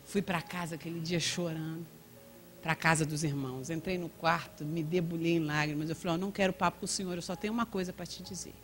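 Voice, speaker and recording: A Brazilian woman pastor preaching in a church, telling a personal story with lively quoted dialogue. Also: low-pitched, fast talker. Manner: storytelling with acted quotes and laughter. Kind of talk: testimony sermon.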